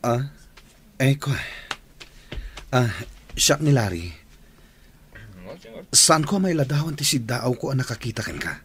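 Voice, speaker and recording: A man's voice: medium pitch, very animated, unhurried, pauses often. An actor playing a polite male engineer visiting a village eatery, easily surprised. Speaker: engineer Larry. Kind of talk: Ilocano radio drama acting.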